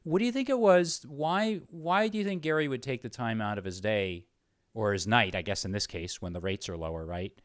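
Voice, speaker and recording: A man's voice: lowish voice, brisk, no echo, clean studio sound. A man with a North American accent hosting a casual interview, rambling informally and hedging as he frames his thoughts. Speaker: interviewer, host.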